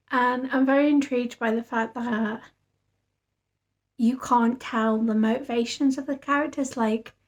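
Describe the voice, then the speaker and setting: A tired woman book vlogger chatting casually after reading all night, rambling and thinking aloud. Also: fairly high pitch. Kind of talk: casual vlog chat.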